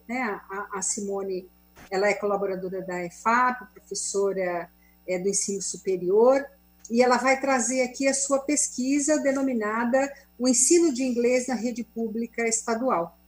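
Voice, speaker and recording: A woman's voice: a little high, fairly even intonation, normal speed, breathy edge, poor audio. A woman host introducing a guest and chatting politely over a video call. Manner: welcoming, polite, conversational. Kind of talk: web conference hosting.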